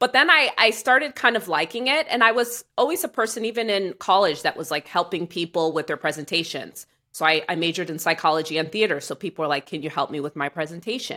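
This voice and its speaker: A woman's fairly low, bright, sharp voice with an American accent, lively intonation, and a very fast pace, in a very clean recording with a silent background. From US Midwest, Chicago. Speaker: communication coach. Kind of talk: interview. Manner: upbeat, energetic.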